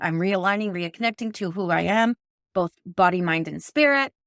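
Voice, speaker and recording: Heard in a dry, close recording with no echo, a woman talks in an animated tone at a moderate pace. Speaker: spiritual medium. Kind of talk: interview conversation. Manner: loud, boisterous.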